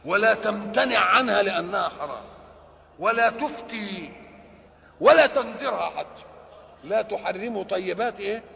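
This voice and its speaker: A man's voice: high-pitched, vocal fry, pushed and bright. A man with an Egyptian Arabic accent giving a sermon that explains scripture, often asking a question and then answering it himself. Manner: asks rhetorical questions and answers them himself. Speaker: religious lecturer. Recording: dull lo-fi recording with long hall reverb.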